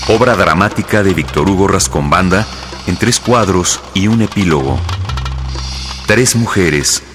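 A man's voice: sits low, expressive, measured pace. A man reading a scripted introduction to a radio drama as its announcer. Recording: music under the voice. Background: music.

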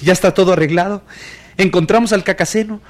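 A man reading an audiobook aloud, expressive and dramatic, voicing a first-person narrator. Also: high voice, quick pace. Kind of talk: audiobook reading with character voices.

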